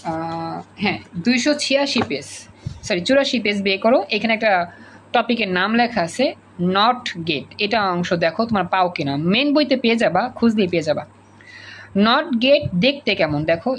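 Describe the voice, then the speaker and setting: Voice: mid-range voice, a bit bright, slight background noise, poor audio. A woman with a Bangladeshi Bengali accent teaching an online class, repeating points and coaxing students to answer over a video call.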